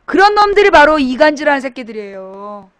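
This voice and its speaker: A woman's voice: high-pitched, sing-song, brisk, a bit bright, no room sound. A woman hosting a political talk webcast, talking bluntly and emphatically to her live chat audience and firing rhetorical questions at them.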